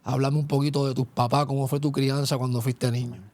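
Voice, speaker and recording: A man's voice: medium pitch, flat delivery, brisk, darkish tone, no room sound. A man with a Puerto Rican accent hosting a Christian testimony interview, earnest and speaking in guided questions with frequent tag asides. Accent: Puerto Rican Spanish. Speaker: host.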